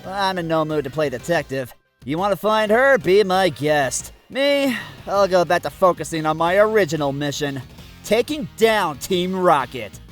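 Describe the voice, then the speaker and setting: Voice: medium pitch, lively intonation, moderate pace, faint music behind, close to an everyday voice. An actor voicing a surly, brooding, exasperated boy rival in a fan parody cartoon, sullen and snappish. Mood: sullen, guarded.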